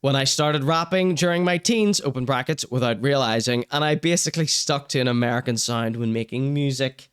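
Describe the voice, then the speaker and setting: Reading out chat comments on his live stream, this young show host from Northern Ireland gives blunt opinions with a wry edge, tossing in casual swearing and chuckling at his own jokes. He talks fairly quickly with few pauses in a smooth, medium-pitched voice.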